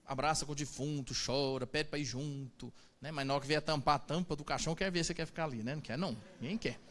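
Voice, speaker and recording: Joking Brazilian priest preaching to a congregation. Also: male voice, on the high side, fast talker, fairly bright tone. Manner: chatty and joking, asks the audience "né?". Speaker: Catholic priest. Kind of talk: sermon.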